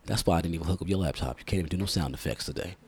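A man's voice: deep voice, racing, darkish tone, husky. A man hosting a podcast, a little congested, trading playful slangy banter in casual chat. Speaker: podcast host.

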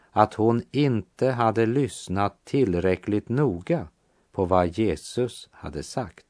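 A man preaching a sermon on a Bible passage in a calm, measured way, slowing down to stress key phrases. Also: sits low, dry recording, clean studio sound.

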